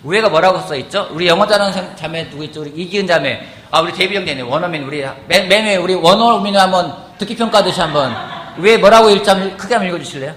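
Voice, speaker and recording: A man preaching a sermon in a church, asking the congregation questions and acting out quotes in a lively way. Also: high-pitched, very fast. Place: church sanctuary. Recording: echoey church hall with faint ambience.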